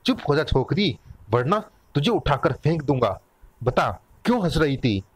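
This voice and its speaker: A man voicing a gruff, hot-tempered man of the wolf clan who bosses and threatens. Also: a little high, big pitch swings, a little slow, exaggerated voice. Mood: menacing.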